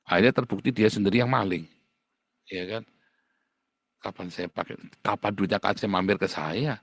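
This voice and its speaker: A man's voice: moderate pace, husky, no room sound. Blunt, scolding male preacher, dry sound. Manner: sudden jumps to high pitch for emphasis. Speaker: pastor. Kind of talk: livestream sermon.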